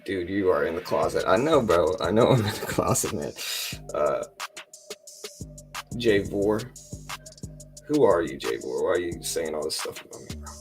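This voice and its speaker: A middle-aged man with a raspy morning voice, chatting casually as a livestream host in a joking, self-deprecating, rambling way. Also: animated, normal speed, long pauses, music in the background. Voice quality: deep morning voice. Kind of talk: casual live trading commentary to chat.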